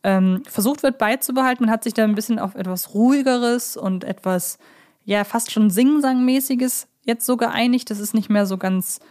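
A woman's voice: on the high side, moderate pace, darkish tone. Woman chatting as a podcast co-host. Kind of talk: casual conversational discussion.

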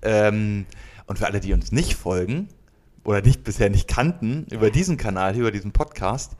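A man's voice: on the low side, animated, brisk, a little mellow. A man in his late thirties from Berlin, co-hosting a casual podcast, joking and hesitating with many fillers and restarts. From Berlin, Germany. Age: 30s. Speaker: podcast co-host. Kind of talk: casual chat.

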